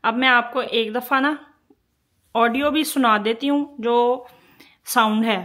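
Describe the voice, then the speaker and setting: Woman, language teacher, slow and patient, repeats sounds, explains while writing. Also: a little high, fairly even intonation, sharp tone. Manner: patient, repeats each sound several times. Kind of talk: spoken lesson.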